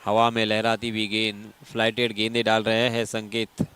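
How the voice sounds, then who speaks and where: Clear-voiced Indian man commentating live cricket. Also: fairly low pitch, completely flat delivery, normal speed, a bit bright.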